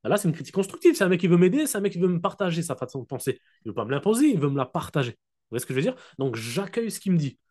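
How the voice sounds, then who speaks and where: Man, slightly raised pitch, motivational coach, casual and direct, computer mic on video call. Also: very animated, darkish tone. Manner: casual, direct, keeps asking listeners if they follow; slows down to dictate key points. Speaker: network marketing coach.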